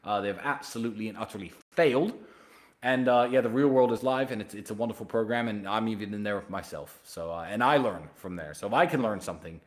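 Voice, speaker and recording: A man hosting a casual solo livestream, answering viewer questions directly and pitching emphatically. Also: fast. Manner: direct, addresses viewers by name.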